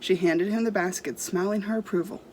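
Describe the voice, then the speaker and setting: A woman's voice: medium pitch, fairly even intonation, fairly quick, darkish tone, slight background noise, poor audio. A woman storyteller reading a storybook aloud to children expressively.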